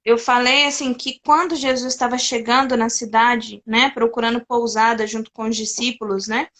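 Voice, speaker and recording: High-voiced woman retelling Bible stories. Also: fairly even intonation, moderate pace, a bit bright. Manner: retells scripture with acted quotes, many restarts. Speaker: participant in a Bible discussion. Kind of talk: casual devotional chat.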